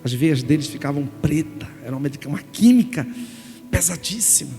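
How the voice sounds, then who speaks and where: Brazilian pastor preaching with gravelly voice. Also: male voice, a little high, a little fast. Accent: Brazilian Portuguese. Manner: emotional storytelling, animated, calls listeners "gente". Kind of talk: sermon. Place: church sanctuary. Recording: reverberant church hall with music.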